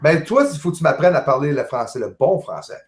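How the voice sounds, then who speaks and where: A man with a Québécois French accent, a guest chatting casually over a video call, jovial and halting with many fillers and restarts. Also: fairly high pitch, lively intonation. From Quebec, Canada. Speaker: guest, amateur astronomer. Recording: roomy echo.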